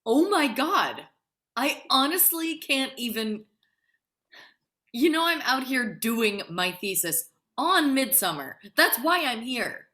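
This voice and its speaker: Woman as an indignant grad student, high and bright. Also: expressive, takes it slowly, full character voice. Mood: incredulous. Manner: sarcastic, incredulous, cutting. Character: indignant young male grad student, proud and sarcastic. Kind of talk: dramatic table read.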